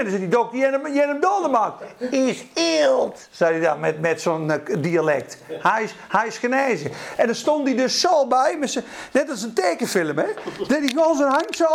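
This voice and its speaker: A man delivers a charismatic sermon with a high, gravelly voice that swings widely in pitch. He preaches with passion, acts out the people he quotes and breaks into sudden shouts.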